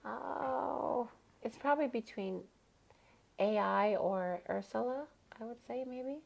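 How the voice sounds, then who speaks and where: A trans woman drag queen chatting expressively as a podcast guest, her voice turning nasal when she gets excited. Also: fairly high pitch, slow pace, creaky, highs cut off. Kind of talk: casual podcast conversation.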